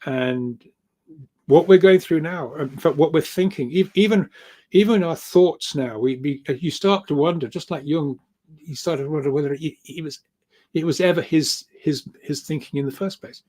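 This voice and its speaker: A man speaking as an interview guest on spiritual matters, halting and repeating words as he rambles through his thoughts. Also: a little high, mellow.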